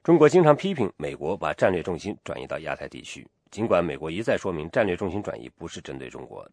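Deep-voiced man reading breaking news. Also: no echo, clean studio sound. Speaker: radio news anchor. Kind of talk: breaking news bulletin read in a radio newscast.

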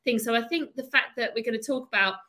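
A woman co-hosting a podcast, chatting casually and laughing often as she thinks out loud. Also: a little high, fast talker. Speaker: podcast co-host.

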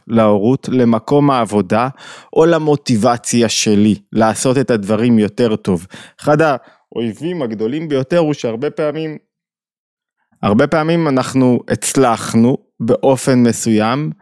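A man's voice: medium pitch, darkish tone, dry recording, clean studio sound. A man teaching a reflective spoken lesson, asking his listeners questions and voicing the people in his examples. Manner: reflective, poses questions to listeners, acts out quoted voices. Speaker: lecturer on Jewish thought.

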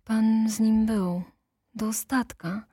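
A woman's voice: on the high side, steady tone, takes it slowly, dark tone, slightly rough, no room sound, clean studio sound, voice pushed up. A woman voicing a grieving young woman who pleads in tearful bursts and whispers, in an audiobook reading. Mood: pleading. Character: grieving young woman, Kurtz's fiancée, desperate.

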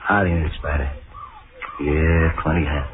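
An actor playing a rough, greedy man who catches creatures for a sideshow, in an old-time radio drama, with a gruff, mocking drawl. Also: very deep voice, steady tone, measured pace. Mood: gloating. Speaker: Joe, sideshow animal catcher. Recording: tinny lo-fi old radio recording with hiss.

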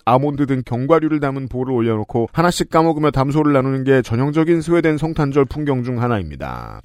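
A man's voice: on the high side, darkish tone, no echo. A man hosting a podcast, reading listener letters aloud with playful, teasing asides, close on a studio mic. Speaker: podcast host.

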